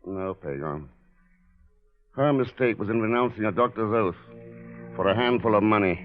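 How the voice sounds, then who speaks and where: An actor playing a self-assured, dry-witted investigator, terse and composed in 1940s radio style. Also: male voice, fairly low pitch, moderate pace, soft background music, lightly acted. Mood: solemn. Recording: dull old-time radio recording.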